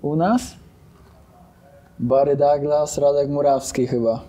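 A young man answers slowly and carefully, choosing diplomatic words. His voice is mellow and dark, with an unhurried, measured delivery in a quiet lounge. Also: on the high side, steady tone. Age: young adult. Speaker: footballer guest. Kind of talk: casual interview answers. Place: lounge in a large building.

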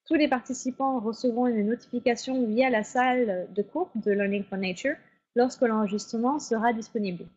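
A woman's voice: a little high, a little mellow. A woman facilitating an online webinar, going through the rules in an orderly way with frequent fillers. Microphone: video call. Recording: lo-fi webinar audio.

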